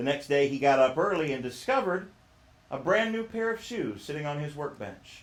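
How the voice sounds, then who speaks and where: Over noticeable background noise, a man with an American accent talks at a fairly quick pace in a fairly high voice that makes very wide pitch swings. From US South. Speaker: magician storyteller. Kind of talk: storytelling performance.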